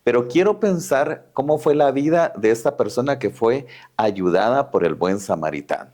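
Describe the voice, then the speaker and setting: A man's voice: medium pitch, expressive, moderate pace, a little mellow. A man co-hosting a Christian podcast, talking reflectively and hesitantly with frequent fillers.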